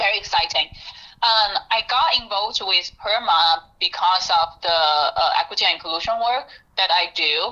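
Speaking with a Chinese accent, a woman uses a bright, sharp tone at medium pitch, with lively intonation, a moderate pace and very even loudness. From China. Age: 30s. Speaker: diversity and inclusion consultant. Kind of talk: interview. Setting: video call.

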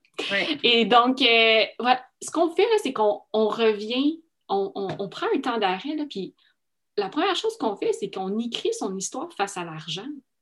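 Speaking at a fairly slow pace, a woman with a fairly high pitch makes very wide pitch swings. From Quebec. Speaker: personal finance coach. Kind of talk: podcast interview. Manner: hesitant, many repetitions.

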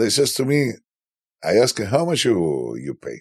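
At a fairly slow pace, a man speaks with a Cypriot accent and vocal fry. The recording is very clean, with a silent background. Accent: Greek Cypriot-accented English. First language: Greek. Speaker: DJ. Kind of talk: casual chat. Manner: animated.

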